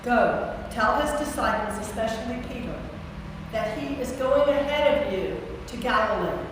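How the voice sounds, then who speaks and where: A woman reading the part of a calm young man in a white robe, in a slow, deliberate staged scripture reading. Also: a little high, close to an everyday voice. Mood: solemn, reassuring. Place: church, live performance. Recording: very echoey church, distant mic, clear noise.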